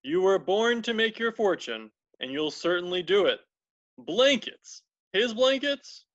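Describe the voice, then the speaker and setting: A man's voice: sits high, big pitch swings, a little slow, a bit bright, lo-fi sound, full character voice. A man playing a shrewd, grasping old rag-and-bone dealer in an amateur dramatised reading. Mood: incredulous. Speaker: library staff reader in a play.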